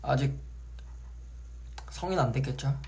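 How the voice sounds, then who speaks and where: A young man hosting a casual live stream, relaxed and chatty, sometimes acting out how he sounds on the phone. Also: mid-range voice, measured pace, creaky, a little hiss or hum. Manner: relaxed, chatty, acts out his own phone voices.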